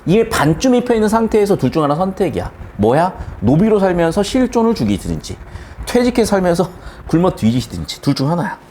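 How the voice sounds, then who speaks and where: A man's voice: high-pitched, brisk, slight background noise. A man teaching a literature lesson for exam students, talking bluntly with slang and the odd swear word. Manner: animated, blunt, slangy and profane. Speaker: Korean language teacher. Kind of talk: exam-prep literature lecture.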